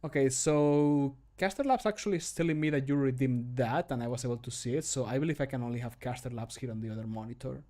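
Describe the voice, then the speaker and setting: A man in his thirties talks casually to a livestream from a small room at home. His voice sits at a middle pitch, and he rambles loosely from one thought to the next. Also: quick pace, hardly any pauses, warm tone. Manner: rambling, easily sidetracked, chuckles often. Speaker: livestreamer and mod maker. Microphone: microphone at a desk, streaming.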